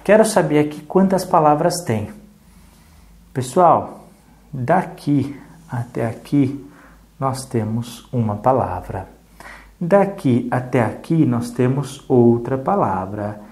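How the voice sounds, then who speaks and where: Patient Brazilian literacy teacher, lively voice. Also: mid-range voice, takes it slowly. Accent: Brazilian Portuguese. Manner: patient, counts aloud, checks in with "tá bom?". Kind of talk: adult literacy lesson.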